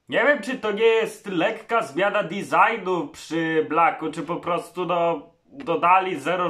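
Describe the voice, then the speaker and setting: A man talks very slowly in a bright, sharp tone. His pitch varies in an ordinary way. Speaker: energy drink reviewer, YouTuber. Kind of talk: casual review. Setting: home, at his bed. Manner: casual, chatty, uses profanity.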